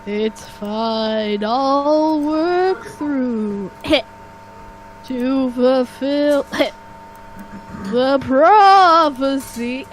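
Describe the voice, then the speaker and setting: A woman's voice: high voice, expressive, slight background noise, heavily acted, low-quality recording. A woman voicing a ghostly old male mentor who speaks solemnly and keeps coughing. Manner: slow, drawn-out solemn delivery broken by coughs. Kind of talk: let's play character voice.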